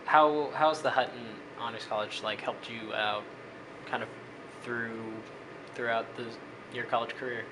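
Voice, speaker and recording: A male interviewer asks his questions casually, pausing often with fillers. His voice sits at an average middle pitch. A steady air-conditioning hum runs clearly under the recording. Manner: casual and hesitant, many ums.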